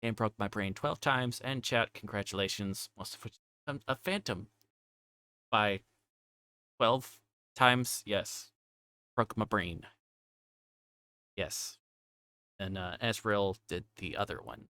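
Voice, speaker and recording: A man livestreaming a visual novel chats casually and reads the story aloud over game music, rambling, flustered and constantly cutting himself off. His voice is fairly low, bright and forceful, slow with frequent pauses, and the sound is clean with no room echo.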